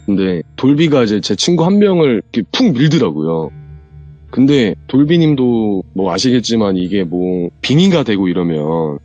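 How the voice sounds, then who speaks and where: A man's voice: on the low side, moderate pace, highs cut off, soft background music. A man guest on a horror radio show, casually telling a true ghost story and acting out the lines people said. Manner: animated, acts out quoted lines from the story.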